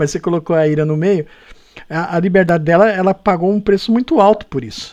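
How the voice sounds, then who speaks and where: Pitched high, a man talks fairly quickly. His pitch variation is ordinary. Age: 60s. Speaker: interviewer. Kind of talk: interview conversation.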